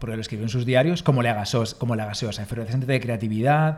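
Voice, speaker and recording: Somewhat breathy and animated in tone, a man speaks with audible room echo around him. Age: 30s. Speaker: podcast co-host. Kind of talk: live podcast chat. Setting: stage with audience.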